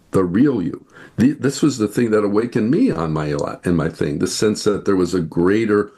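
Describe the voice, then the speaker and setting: Low-voiced man explaining spiritual ideas. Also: darkish tone. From United States. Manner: earnest, explanatory, slows to stress points. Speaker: guest. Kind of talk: spiritual interview talk.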